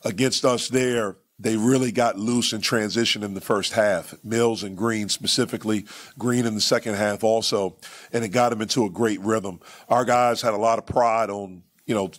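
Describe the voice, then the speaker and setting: Low-pitched guy coaching hoops, talking to reporters at a table mic after the game, kinda measured, lots of "you know". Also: fairly even intonation. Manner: measured, repeats phrases, many fillers like "you know" and "man". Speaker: head basketball coach. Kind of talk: postgame press conference answers. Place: press conference room with sponsor backdrop. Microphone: table microphones.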